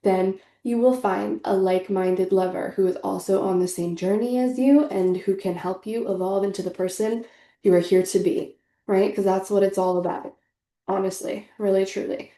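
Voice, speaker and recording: A woman's voice: medium pitch, steady tone, normal speed, dark tone, roomy sound. A young woman with a stuffy, congested voice, chatting casually and earnestly through a tarot reading, full of fillers. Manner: chatty, filler-heavy, earnest spiritual talk. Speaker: tarot reader.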